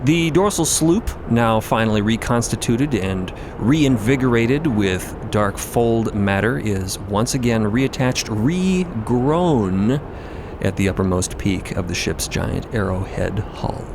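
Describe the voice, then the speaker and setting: A man reading scripted story narration, with clear ambient noise running behind his voice. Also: fairly low pitch, animated, slow.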